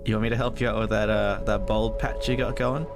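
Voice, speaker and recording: Male streamer, slightly low voice, casual deadpan let's play commentary over game music. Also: brisk. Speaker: streamer playing a visual novel.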